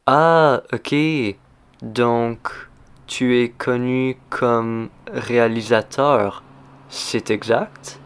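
A man hosting a language lesson, speaking slowly and deliberately and repeating simple phrases for learners. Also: medium pitch. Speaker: language teacher. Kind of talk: slow scripted language lesson.

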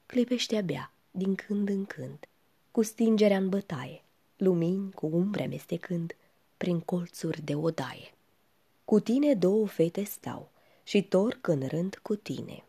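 A woman with a low, mellow voice recites poetry slowly. Her tone is husky and breathy, and she keeps dropping into a hushed whisper. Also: expressive. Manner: slow, hushed, often sinking to a whisper. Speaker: reader.

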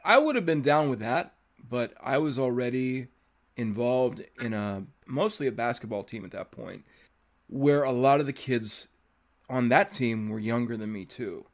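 A young man hosting a podcast in a casual interview chat, relaxed and talkative, letting his thoughts trail off. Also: medium pitch, moderate pace. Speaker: podcast host.

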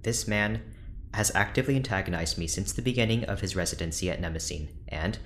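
Audio drama accuser, male, acted: deep voice, indignant, verbose, formal. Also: fast talker, fairly bright tone, a little hiss or hum. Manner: formal, wordy, aggrieved.

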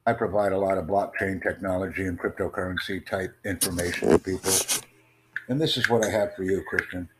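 A man hosting an online voice chat, talking in a formal, measured, promotional way. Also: low-pitched, steady tone, slight background noise, poor audio. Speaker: host of online conversation. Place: in the United States.

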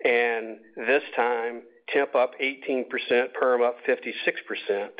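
Male executive for an earnings call, measured and deliberate, clipped into short phrases, heard over a thin conference phone line. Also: mid-range voice, steady tone. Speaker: company executive answering analysts.

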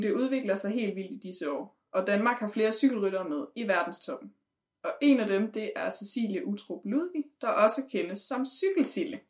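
A woman's voice: a little high, darkish tone. Woman host presenting from notes. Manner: reading from notes with fillers. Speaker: podcast host. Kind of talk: scripted presenting.

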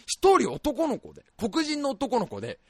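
Lively high-voiced excitable male storyteller. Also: moderate pace, no room sound. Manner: excitable, exaggerated comic storytelling. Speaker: podcast radio host. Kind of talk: comic storytelling chat.

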